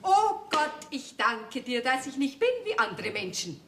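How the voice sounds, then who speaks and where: A sharp-tongued Bavarian farm wife. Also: female voice, sits high, very animated, measured pace, full character voice. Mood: scolding. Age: middle-aged. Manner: scolding, dry retorts. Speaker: stage actor. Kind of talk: folk theater comedy acting. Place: theater stage. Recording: echoey stage recording.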